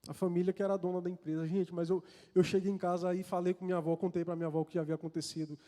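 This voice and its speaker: A man's voice: high-pitched, little pitch movement, very fast, dark tone. A man with a Brazilian accent preaching a sermon, telling a personal story in an earnest, confessional way, often repeating and restarting words. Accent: Brazilian Portuguese. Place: large church hall. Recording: long reverb of a church hall.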